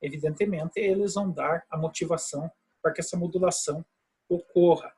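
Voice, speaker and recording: A man's voice: on the high side, fairly quick, a little mellow, husky, poor audio. A man teaching a law lesson online, explaining step by step and often checking in with his students. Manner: explanatory, with many tag questions to students. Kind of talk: online video lecture.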